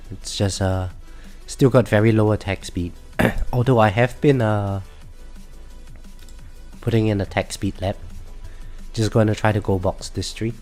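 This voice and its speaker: A man with a cold and a stuffed-up nose, sounding nasal as he chats casually on a live game stream, hesitating and correcting himself often. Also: lowish voice. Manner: relaxed, hesitant with many fillers and self-corrections. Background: faint background music.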